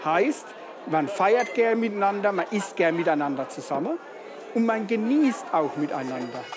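A man's voice: sits high, normal speed. Chatty man from the Palatinate at a festival. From Palatinate, Germany. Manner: relaxed, chatty, with tag questions. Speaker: festival organizer. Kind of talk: casual interview. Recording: noisy crowded festival. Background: bagpipe music and crowd chatter.

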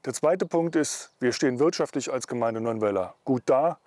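Measured middle-aged man, dry sound. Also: mid-range voice, expressive, a little mellow, no room sound. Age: 40s. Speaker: mayoral candidate. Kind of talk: campaign interview statement.

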